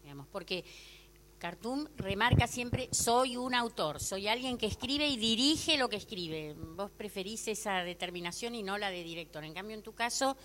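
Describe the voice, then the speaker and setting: An Argentine woman moderating a conversation informally, putting halting, roundabout questions. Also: mid-range voice, expressive, a bit bright, a little hiss or hum. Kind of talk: informal interviewing.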